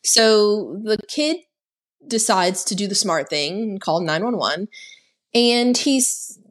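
A woman's voice: medium pitch, lively intonation, takes it slowly. Chatty sarcastic woman recapping a film. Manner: chatty and sarcastic, heavy use of "like". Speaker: podcast co-host.

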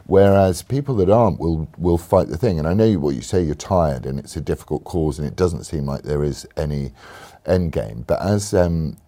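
Deep, lively-voiced man. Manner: animated, jokey, with sudden high mocking asides. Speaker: interviewer and podcast host. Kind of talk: casual political chat.

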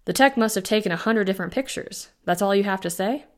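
A woman's voice: mid-range voice, fast, natural voice. A woman voicing an anxious, protective young man expecting twins, worried and insistent.

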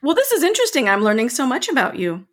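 A woman's voice: sits high, huge pitch swings, quick pace, fairly bright tone. A woman co-hosting a podcast in casual chat, asking curious questions and encouraging her co-host.

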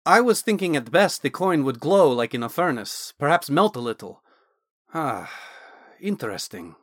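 A man's voice: fairly high pitch, sing-song, moderate pace, fairly bright tone, no echo, studio quality. A man voicing a blithe dragonborn mage scholar. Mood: eager.

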